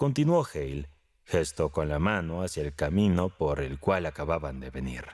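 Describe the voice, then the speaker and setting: A man is speaking. The recording is very clean, and the background is silent. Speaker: audiobook narrator. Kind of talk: sleep story. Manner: soft-spoken, calm.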